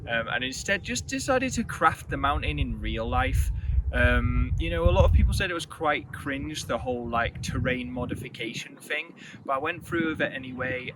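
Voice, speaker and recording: A man talking to camera outdoors in a park, rambling and joking. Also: mid-range voice. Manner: jokey, rambling, nervous-sounding. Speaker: channel host. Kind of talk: on-location vlog intro. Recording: distant outdoor mic with loud ambient noise.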